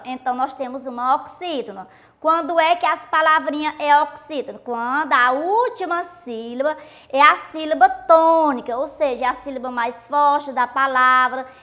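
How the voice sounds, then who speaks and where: A woman's voice: high voice, sharp tone. A woman teacher with a Brazilian Portuguese accent giving a recorded video lesson, explaining patiently and drawing out the stressed syllables of example words. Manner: patient, repetitive explaining to students.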